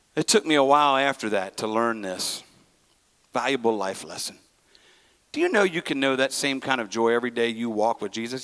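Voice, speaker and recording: A man at medium pitch, fairly quick, with ordinary pitch variation. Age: 50s. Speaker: comedian. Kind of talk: stand-up. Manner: animated.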